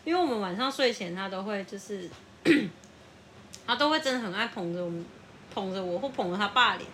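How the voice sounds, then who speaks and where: A woman, a mother of a young child, chatting casually and telling lively family stories, often laughing and acting out voices. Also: mid-range voice, brisk, a little hiss or hum. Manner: animated storyteller, acts out child's voice, laughs often. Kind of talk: casual chat.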